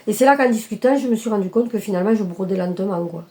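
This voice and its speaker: A woman's voice: medium pitch, fast, dark tone. A woman showing her cross-stitch work in a casual video chat, talking hesitantly with many fillers and self-corrections. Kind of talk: casual show-and-tell chat.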